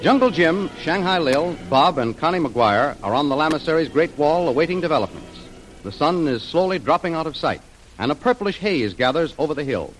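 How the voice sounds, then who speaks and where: A man's voice: on the high side, expressive, fairly quick, low-quality recording. Old-time radio announcer guy, formal and declaiming, music under him. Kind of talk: scripted radio narration.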